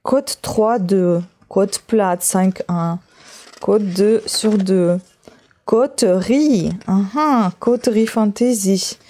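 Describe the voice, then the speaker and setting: Woman, Russian accent, native Russian speaker, mellow soft-edged tone, casual craft vlog chat, hesitant, thinking aloud. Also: mid-range voice, very slow. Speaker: craft vlogger. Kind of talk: casual unboxing chat while leafing through a book.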